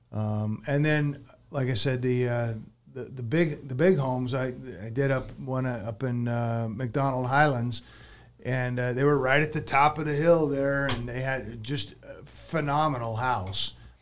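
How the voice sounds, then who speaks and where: A man with an unremarkable speaking voice talks fairly slowly, his medium pitch held in fairly even intonation. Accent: American. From rural Oregon. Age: 50s. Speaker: home inspector. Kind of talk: casual interview chat. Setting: studio.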